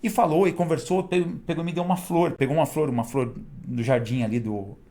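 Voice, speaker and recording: Guy telling a story real quick, animated, laughs a lot, kinda high voice. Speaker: guest. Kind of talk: casual storytelling.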